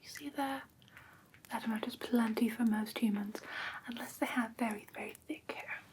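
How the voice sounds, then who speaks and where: A woman's voice: on the high side, steady tone, a little hiss or hum, natural voice. Whispering female vampire teacher played by a woman. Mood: gentle, instructive. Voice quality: breathy whisper. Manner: soft, patient, unhurried instructing. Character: female vampire teacher, gentle, instructing a human care class. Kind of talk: whispered ASMR roleplay lesson.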